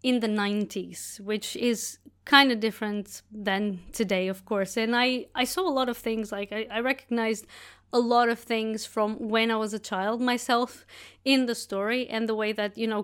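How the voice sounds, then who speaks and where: A woman's voice: mid-range voice, steady tone, moderate pace, a bit bright, clear, resonant tone. A woman hosting her own podcast, reviewing the books she read in a casual, rambling way and often correcting herself mid-sentence. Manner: chatty, rambling, self-correcting. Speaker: podcast host. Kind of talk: casual monologue book review.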